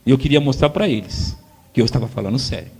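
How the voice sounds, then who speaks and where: A man in his forties with a Brazilian accent, preaching a sermon as pastor and acting out parents and children in a husky voice. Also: medium pitch, fast talker, a little hiss or hum. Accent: Brazilian Portuguese. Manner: animated, acts out parents and crying children. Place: church hall. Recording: long church hall reverb.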